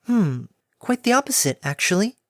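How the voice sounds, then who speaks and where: A man reading an audiobook, voicing a gentle, soft-spoken female pegasus pony in a sweet, breathy way. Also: high voice, sing-song, moderate pace, no echo, studio quality, voice pushed up. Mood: gentle cheerful.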